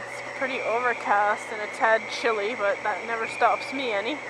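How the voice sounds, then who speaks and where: The sound is dry, with no echo. Loud noise fills the background. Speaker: motorcycle rider. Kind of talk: casual motorcycle vlog talk. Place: motorbike.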